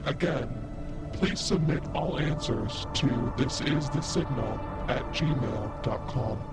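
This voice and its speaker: A man giving an eerie scripted announcement in a measured, deliberate way. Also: medium pitch. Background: loud eerie music.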